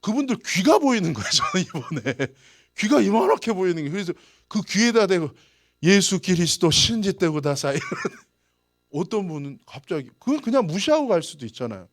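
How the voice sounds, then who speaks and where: A man's voice: high-pitched, normal speed, no echo, studio quality. A male pastor preaching a sermon in a storytelling way, chuckling often and acting out the people in his anecdotes. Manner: lively anecdotes, chuckles often, acts out quoted lines. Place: church service.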